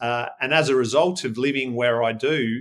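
A medium-pitched man speaks with an Australian accent on a very clean recording with a silent background. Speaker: leadership speaker and local councillor. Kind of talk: interview. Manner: halting, many fillers.

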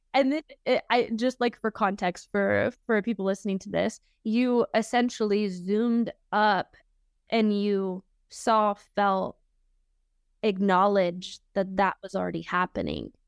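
A woman's unremarkable speaking voice with a General American accent, medium in pitch, fairly slow and fairly even in intonation, on a very clean recording with a silent background and a dry, close sound with no echo. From US Midwest, Nebraska. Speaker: podcast host and energy coach. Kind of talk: casual interview chat.

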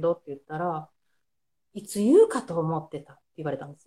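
Speaking in a plain, everyday voice, a woman uses a fairly low pitch and lively intonation. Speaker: esthetician. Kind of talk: interview.

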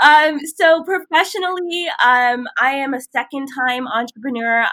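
The tone is bright and sharp. The delivery moves at a fairly slow pace. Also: woman. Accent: Canadian. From Canada, Toronto. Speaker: digital marketing entrepreneur. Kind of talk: interview. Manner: animated.

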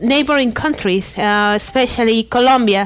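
A woman's fairly high-pitched voice in a Venezuelan accent. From Venezuela (Caracas). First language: Spanish. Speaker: journalism student, caller. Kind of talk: recorded voicemail question. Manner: halting.

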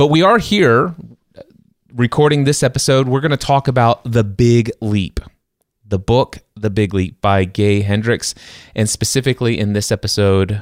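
On a very clean recording with a silent background, a man with ordinary pitch variation uses an ordinary speaking voice at a moderate pace. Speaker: podcast host, business coach. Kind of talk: casual chat, book discussion. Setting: studio, live on Clubhouse.

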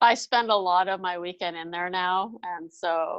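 This woman has a normal speaking voice at a medium pitch with ordinary pitch variation. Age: 40s. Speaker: podcast host. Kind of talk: casual chat. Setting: home studio.

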